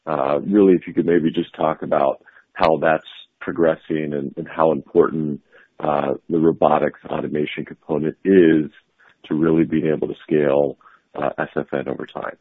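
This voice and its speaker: A man's voice: extremely low pitch, level tone, moderate pace, dry recording. A man working as a financial analyst, politely putting a question on an earnings call over a narrow phone line.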